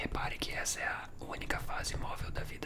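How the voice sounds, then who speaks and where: A woman whispering at a moderate pace, with noticeable background noise. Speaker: ASMR creator. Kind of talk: science magazine read aloud, relaxing ASMR. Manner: whispered, soft.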